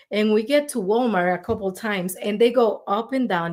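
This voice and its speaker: In a Spanish accent with ordinary pitch variation, the speaker is heard on a very clean recording with a silent background. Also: woman. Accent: foreign accent, Spanish. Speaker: live stream podcast host. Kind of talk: casual chat.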